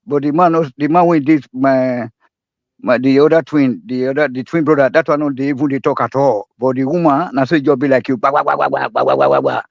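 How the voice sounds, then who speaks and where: A man's voice: mid-range voice, quick pace, creaky, no echo. A man with a Nigerian, Pidgin-inflected accent chats in a live audio room, rambling, laughing and repeating himself. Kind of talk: casual live-room chat. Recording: dull lo-fi dry stream audio.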